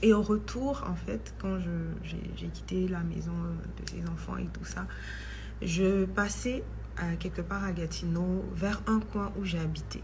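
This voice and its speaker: A woman's voice: fairly low pitch, a little slow, background noise. A woman who tells a personal faith testimony in a chatty vlog, dropping in English phrases. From Ivory Coast. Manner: chatty, mixes in English phrases, grows excited. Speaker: vlogger.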